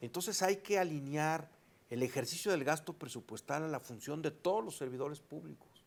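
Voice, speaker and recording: Fairly high in pitch, a man with an ordinary speaking voice talks at a moderate pace with ordinary pitch variation. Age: 60s. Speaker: judicial candidate, government lawyer. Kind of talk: interview.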